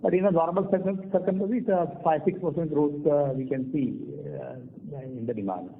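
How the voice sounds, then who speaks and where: Indian man, corporate executive on earnings call, hesitant measured delivery, narrow telephone sound. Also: a little high, slight background noise. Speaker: company executive answering analysts. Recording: tinny narrow-band conference phone line.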